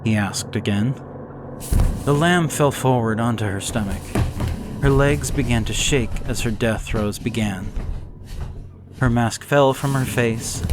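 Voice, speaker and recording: A man slowly reading a gothic horror story aloud in a measured, somber way. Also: medium pitch. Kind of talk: scripted horror narration. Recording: hissy background noise.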